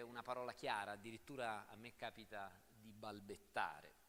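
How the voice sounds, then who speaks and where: A bright, sharp tone at a fairly slow pace, with a slight Roman accent. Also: man. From Italy, Turin. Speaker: preacher. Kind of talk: sermon.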